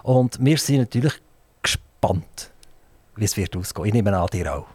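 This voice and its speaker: A man's voice: fairly low pitch, lively intonation, normal speed, darkish tone, slightly rough, dry recording. A man with a Swiss German accent hosting a radio interview, asking long, chatty, rambling questions. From Switzerland. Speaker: radio host. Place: radio studio.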